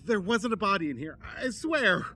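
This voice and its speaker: A man's voice: high-pitched, very animated, normal speed, sharp tone, a little hiss or hum, heavily acted. An actor playing a scared, cowed man under threat in an audio drama.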